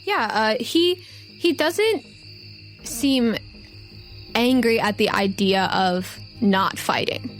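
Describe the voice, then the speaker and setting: A woman's voice: a little high, takes it slowly, pauses often, soft background music. A woman game master and podcast host narrating a tabletop game in conversation with players.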